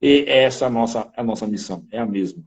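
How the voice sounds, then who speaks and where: A man, an interviewed preacher sharing his testimony in lively storytelling, acting out other voices with emphasis. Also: mid-range voice, fast talker, gravelly, rough recording.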